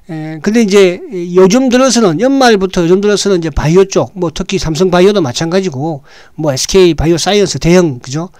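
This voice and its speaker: A hoarse man hosting a stock market show, talking casually and often checking in with "right?". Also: sits high, a little mellow, no echo, clean studio sound. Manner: talks with frequent "right?" tag questions, halting restarts.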